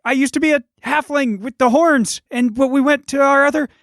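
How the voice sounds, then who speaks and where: A woman voicing an eager, excitable grown-up former halfling in a casual tabletop game. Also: high-pitched, brisk, dry recording, studio quality. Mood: excited. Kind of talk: in-character tabletop role-play.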